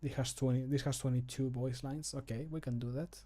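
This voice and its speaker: A man's voice: mid-range voice, fairly even intonation, a little fast, dark tone. A man in his thirties chatting casually and self-deprecatingly as he works, muttering to himself on a close microphone at home. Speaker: streamer and amateur voice actor. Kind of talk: casual chat while working. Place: home room, indoors. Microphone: close desk microphone.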